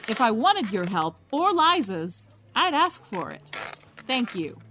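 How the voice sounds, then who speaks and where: A woman's voice: a little high, very animated, a little slow, bright, forceful tone, a little hiss or hum, full character voice. An actress playing a stubborn, stressed woman detective with a terse, dry delivery in an audio drama. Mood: guarded, irritated. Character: stressed, stubborn, guarded female police detective. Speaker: police detective.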